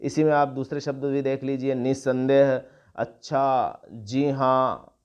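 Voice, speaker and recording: A middle-aged man gives a classroom grammar lecture at a measured, patient pace. He restates each term and works through lists of examples with pauses and small fillers. The recording is dull and lo-fi. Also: mid-range voice, steady tone, darkish tone, clear, resonant tone. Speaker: Hindi grammar teacher.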